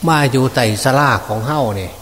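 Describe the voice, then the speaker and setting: A man preaching as a monk, folksy and unhurried, with many fillers. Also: medium pitch, fairly bright tone. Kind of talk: Dhamma sermon. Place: open temple hall. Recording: distant reverberant hall with faint noise.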